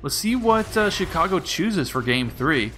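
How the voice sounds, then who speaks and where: A man doing excited play-by-play commentary on a video game match, often exclaiming. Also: a little high, a little slow. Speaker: esports caster.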